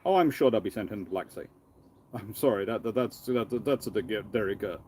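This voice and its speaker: A man hosting a casual live question-and-answer stream, thinking aloud in a halting, rambling way. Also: fairly low pitch, lively intonation, darkish tone, slight background noise. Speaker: livestream host, naval historian. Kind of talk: casual live Q&A with off-the-cuff commentary.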